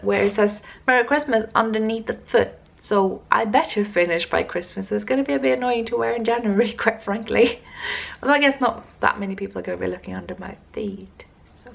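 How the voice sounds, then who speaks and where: Gravelly woman rambling about knitting. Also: on the high side. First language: not Swedish. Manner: rambling, digressive, self-interrupting. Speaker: knitting podcast host. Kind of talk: casual knitting vlog chat.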